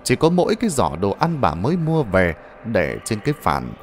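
A man's voice: on the low side, wildly swooping pitch, moderate pace, a little hiss or hum. A man narrating a ghost story in a dramatic, suspenseful manner.

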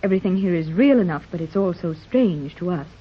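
A woman's voice: fairly low pitch, animated, fairly quick, slightly rough. An actress playing an earnest, polite wealthy mother searching for her lost daughter, in a 1930s radio drama. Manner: earnest and polite, easily startled. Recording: dull old 1930s radio recording.

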